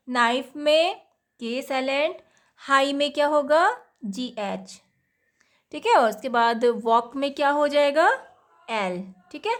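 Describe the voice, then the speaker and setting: An Indian woman teaching a children's English lesson. Her voice sits a little high and she talks at an unhurried pace, reading the English questions out slowly before explaining them.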